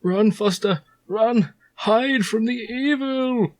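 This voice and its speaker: Elderly male tribal seer: raised pitch, drawn-out doom-laden delivery, theatrical dread, fatherly. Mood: desperate. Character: fearful old tribal seer, fatherly and prophetic.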